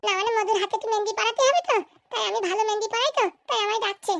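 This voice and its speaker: A woman's voice: very high voice, racing, gravelly, fairly bright tone, heavily acted. A woman voicing a pert, insistent young married granddaughter in a comic cartoon. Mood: coaxing.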